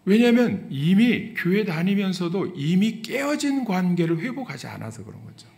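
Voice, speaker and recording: A middle-aged man, a pastor, preaching a sermon and telling a story, his voice swinging from soft to loud. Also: sits high, very animated, normal speed, vocal fry.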